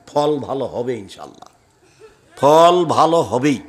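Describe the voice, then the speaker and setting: A man preaching a sermon who speaks hard and forcefully, with emphatic rhetorical questions. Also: mid-range voice, animated, measured pace. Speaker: Islamic preacher. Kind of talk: Bengali waz sermon.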